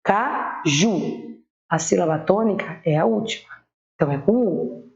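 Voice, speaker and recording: A woman with a Brazilian accent teaching primary school children spelling, patiently sounding out words slowly. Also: lowish voice, creaky, warm tone. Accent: Brazilian Portuguese. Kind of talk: online spelling lesson. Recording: echoey room, dull lo-fi sound.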